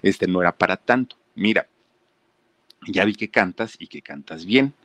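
A man voicing a kind older sister who gently coaxes her little brother. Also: low-pitched, normal speed, no echo. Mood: coaxing. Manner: coaxing, gently persuasive. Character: kind older sister, young woman, reasonable.

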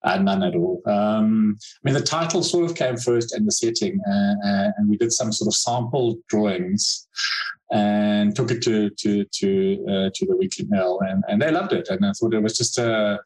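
Low-voiced hesitant man, interview guest. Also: moderate pace, a little mellow, poor audio. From South Africa. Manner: hesitant, many fillers and restarts. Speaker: cartoonist guest. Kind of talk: casual interview.

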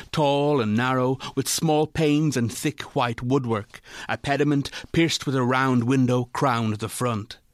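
A man narrating a classic literary ghost story from a script in a measured, deliberate way. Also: mid-range voice, dry recording, clean studio sound.

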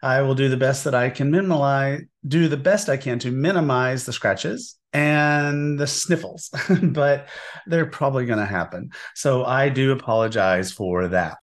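A man's voice: mid-range voice, unhurried. A man hosting a tarot podcast, chatty and enthusiastic, a little sniffly and scratchy from a cold. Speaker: podcast host, tarot reader. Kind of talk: casual podcast talk.

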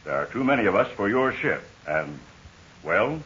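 An American actor playing a worried, weary stranded pilot, plain-spoken and grave, in 1940s radio serial style. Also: male voice, lowish voice, very animated, moderate pace, a bit bright. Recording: dull, hissy 1940s radio recording.

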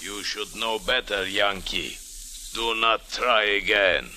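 A man's voice: lowish voice, takes it slowly. An actor playing a sinister male henchman who gives clipped, threatening commands, in a 1940s radio drama.

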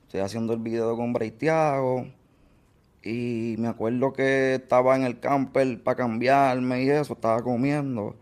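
A man recalls a painful family loss as an interview guest, halting and full of fillers. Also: medium pitch, steady tone, darkish tone, clear, resonant tone. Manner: halting, many fillers and restarts. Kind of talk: emotional personal recollection.

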